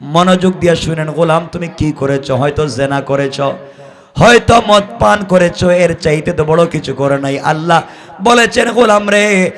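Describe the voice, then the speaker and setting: A man's voice: fairly high pitch, moderate pace. A man preaching an Islamic sermon, telling stories dramatically and urging his listeners to pay attention. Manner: exclamatory, calls on listeners to respond and pay attention. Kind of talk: impassioned sermon with dramatic storytelling and melodic scripture recitation.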